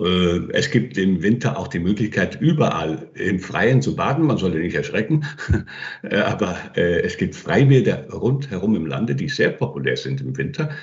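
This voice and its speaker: A man with a fairly low pitch talks fairly slowly, his pitch swinging very widely. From Iceland, Reykjavik. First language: Icelandic (speaking German). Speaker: journalist and airline communications manager. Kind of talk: interview.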